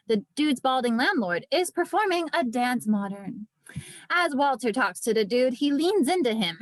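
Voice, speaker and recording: Female narrator for script directions, fairly high pitch, dry recording. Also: dry recording, rough recording. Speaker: narrator reading stage directions.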